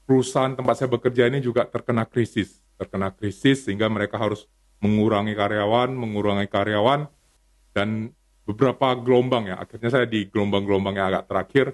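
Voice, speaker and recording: A man's voice: lowish voice, fairly even intonation, fast talker. A man tells his life story as a guest. He talks in an earnest, motivational way. He repeats key phrases to stress them. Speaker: guest business founder.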